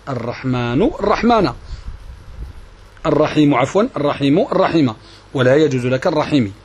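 A man teaching a grammar lesson to a group of students, explaining slowly and repeating phrases so they can follow, with a touch in his speech. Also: mid-range voice, darkish tone, husky. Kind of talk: classroom lesson. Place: prison room with students.

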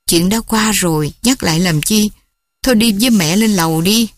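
A woman's voice: medium pitch, moderate pace, no echo, clean studio sound, lightly acted. A woman voicing a worried mother who soothes her daughter and implores her husband. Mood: soothing.

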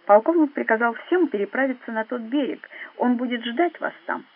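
A woman voicing a calm, cold-blooded male secret agent who speaks quietly and with mockery, in an audiobook. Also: extremely high pitch, pitched above the performer's own voice. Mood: cool. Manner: quiet, measured, mocking. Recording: narrow phone-like band.

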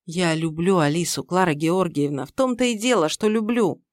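Woman reading a quiet guilt-ridden young father. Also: lowish voice, moderate pace, no echo, clean studio sound, lightly acted. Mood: restrained. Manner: subdued, soft-spoken.

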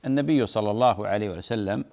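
Brief: brisk male sheikh, fast delivery, repeats rulings to drive them home. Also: on the low side, creaky, darkish tone, muffled recording. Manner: explanatory, repeats key points for emphasis. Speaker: sheikh answering listeners' religious questions. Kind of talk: religious Q&A answers.

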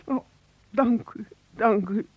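An actress playing a lonely, proud elderly pensioner in a radio play, hesitant and polite. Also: female voice, fairly high pitch, takes it slowly, dry recording. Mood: anxious, grateful. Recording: tinny, narrow phone-like radio recording.

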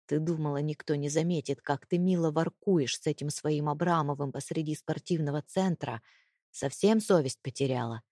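A woman voicing a cruel, jealous husband who speaks through clenched teeth, low and seething. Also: moderate pace, warm tone, dry recording, clean studio sound.

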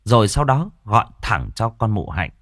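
A man telling a comic folk tale in a lively, mocking way. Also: lowish voice, normal speed, no room sound. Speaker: storyteller. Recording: dry close voice.

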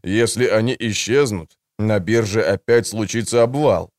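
A man reading a wary, blunt male guild member who speaks slowly. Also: fairly low pitch, darkish tone, no room sound, studio quality, natural voice.

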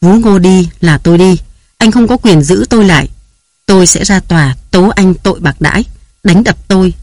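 A man's voice: high voice, normal speed, a little mellow, dry recording, studio quality. A man reading aloud who voices a frightened young wife, tearful and pleading. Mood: defiant.

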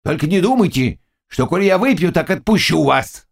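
A blustering old nobleman, as a male audiobook reader puts him on, roaring insults in a raised, gruff voice. His pitch leaps up and down with swagger, and the tone stays bossy and quick to anger. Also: huge pitch swings, fairly bright tone, full character voice. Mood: grumbling. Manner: bellowing, scolding, gruff. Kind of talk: audiobook character voice.

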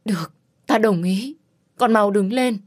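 A woman voicing an older, kindly household servant who speaks gently and consolingly in an audiobook. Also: medium pitch, a little slow, dry recording, clean studio sound, close to an everyday voice.

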